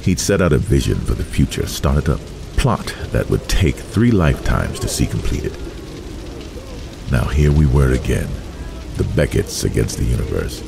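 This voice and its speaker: An extremely deep, gravelly male voice plays a proud, brooding dead admiral narrating from hell. He is solemn and deliberate, yet his pitch moves expressively. It is horror audio drama. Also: big pitch swings, noisy background, full character voice.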